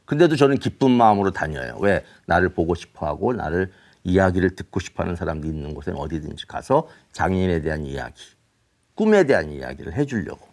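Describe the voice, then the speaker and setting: A middle-aged man speaking as an author to young students, telling a story in an animated way and asking rhetorical questions. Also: low-pitched, fast. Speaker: children's author giving a talk. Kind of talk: motivational lecture to students.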